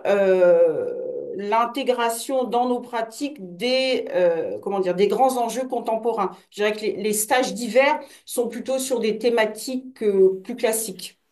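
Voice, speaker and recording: A woman's voice: a little high, a little mellow. Informal woman answering webinar questions. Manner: informal, with fillers and brief backchannels.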